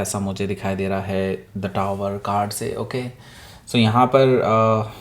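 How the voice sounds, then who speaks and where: A man gives a casual tarot reading, mixing in English phrases and many fillers, his throat sore and husky today. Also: on the low side. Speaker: tarot reader.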